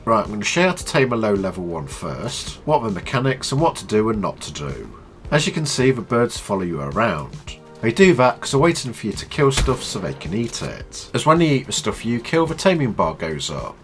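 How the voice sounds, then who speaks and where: A man with a stuffy nose from a cold, explaining a video game in a chatty, low-key tutorial. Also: sing-song, fairly quick, faint music behind. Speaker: gaming channel host.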